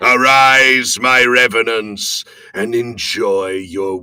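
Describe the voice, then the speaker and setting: A put-on character voice from a man at medium pitch, delivered at a very slow pace. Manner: theatrical, commanding.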